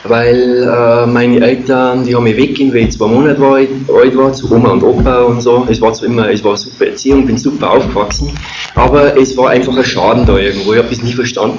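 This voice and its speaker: A middle-aged man with an Austrian or Bavarian accent tells a personal story informally, in a rambling, halting, colloquial way. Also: mid-range voice, steady tone. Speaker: speaker telling a personal testimony. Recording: muffled, echoey room with clear noise.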